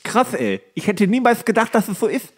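A man's voice: sits high, very animated, fairly quick, slightly rough. A young man chatting casually as a podcast co-host and commenting on a show as he watches.

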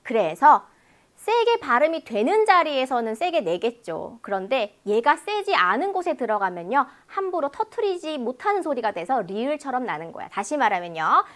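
A woman teaching an exam-prep listening lecture, animated and demonstrative, exaggerating sounds for her students. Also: sits high, moderate pace.

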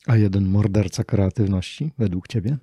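A man's voice: fairly low pitch, fairly even intonation, moderate pace, mellow, slightly rough, no room sound. A man asking short, casual questions as the interviewer on a podcast.

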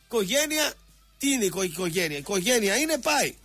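A middle-aged man rants sarcastically on the radio, mocking and rambling. His voice is husky and sits a little high for a man, with faint music under it. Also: lively intonation, fairly bright tone, dry recording. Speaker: radio sports show host. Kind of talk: rambling satirical monologue.

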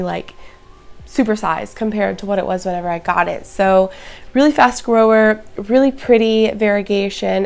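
A woman chatting casually to her viewers in a plant vlog, her voice hoarse and raspy. She is upbeat and talks to the audience directly. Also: mid-range voice, a little mellow. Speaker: plant vlogger. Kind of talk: casual show-and-tell vlog.

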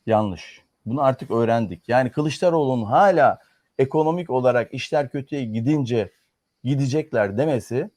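A man talking economics and politics in a casual chat, arguing firmly and pausing on fillers as he reasons. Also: mid-range voice, darkish tone, dry recording. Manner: argumentative, lectures in firm repeated clauses. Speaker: economics commentator.

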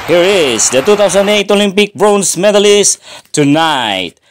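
A man's voice: high-pitched, big pitch swings, measured pace, noisy background. A man announcing like a boxing ring announcer, formal and theatrical, stretching out names as he introduces fighters.

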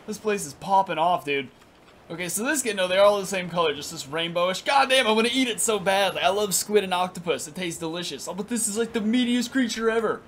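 A young man in his twenties doing energetic, crude gameplay commentary in a small room, his voice raspy because he just woke up. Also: sits high, quick pace, a little hiss or hum. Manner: energetic, crude, rambling with lots of "like". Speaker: gaming YouTuber. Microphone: headset.

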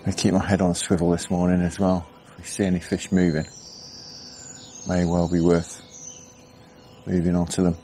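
Middle-aged english guy, low voice, talking through his fishing session outdoors, laid back, a little birdsong hiss behind. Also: normal speed, long pauses. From England. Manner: relaxed, chatty, thinks aloud with fillers. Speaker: angling vlogger. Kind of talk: casual commentary while fishing. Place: outdoors on a canal bank at dawn. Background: birdsong and insects.

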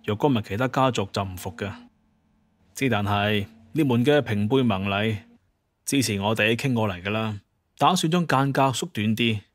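A male actor plays a confident leader of monster hunters in an audio drama. His voice sits on the low side and is recorded close and dry. He explains things in a measured way, courteous yet clearly in authority. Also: no echo, lightly acted. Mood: persuasive, explaining. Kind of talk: Cantonese audio drama dialogue.

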